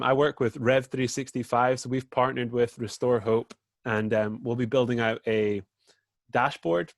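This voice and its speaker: Sharing his screen on a video call, a British-accented man with a medium-pitched voice walks viewers through a data dashboard. His presentation is informal and packed with fillers, and the recording has no room sound.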